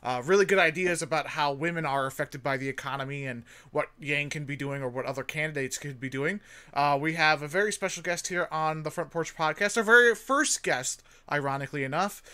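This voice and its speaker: A man's voice: on the high side, fairly quick, pushed and bright, clean tone. A man co-hosting a podcast while streaming a game, chatty and full of fillers. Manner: chatty, promotional, filler-heavy.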